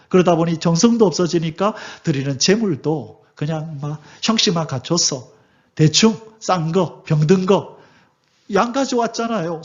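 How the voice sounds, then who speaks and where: A male pastor preaching a sermon, asking the congregation rhetorical questions and acting out quoted voices in a lively way. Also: fairly high pitch, highs cut off.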